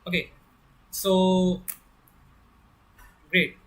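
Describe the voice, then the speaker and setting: A man's voice: high voice, flat delivery, very slow, a bit bright. Young man checking in on a live class. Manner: checks in with viewers, many fillers. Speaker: online bootcamp instructor. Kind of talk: casual live-stream lesson. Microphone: computer mic on a live video stream, camera off.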